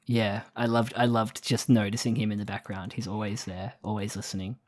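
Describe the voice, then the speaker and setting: A woman's voice: extremely low pitch, flat delivery, fairly quick, a little mellow. A woman chatting casually as a podcast co-host. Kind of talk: casual chat.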